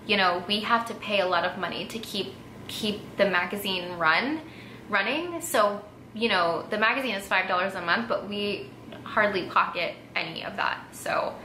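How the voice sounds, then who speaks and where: A woman's voice: medium pitch, moderate pace, bright, forceful tone. A young woman from Texas with an American accent, chatting casually as a vlogger answering viewer assumptions. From Texas, United States. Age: young adult. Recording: echoey room with faint background noise.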